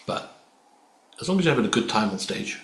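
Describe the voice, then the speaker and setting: A man's voice: medium pitch, sing-song, a little fast, fairly bright tone. A man, a singer guest on a podcast, talking easily and thoughtfully in a casual conversation. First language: not Hindi or Urdu. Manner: reflective, easygoing, uses sports comparisons. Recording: echoey room with faint ambient noise.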